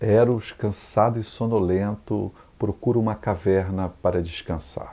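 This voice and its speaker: Very slowly, a man speaks with a very deep, low pitch, ordinary pitch variation, vocal fry and a dark, mellow tone. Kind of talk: informal lecture-style talk on literature and film. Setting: recorded in a hotel room. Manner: whispered, soft.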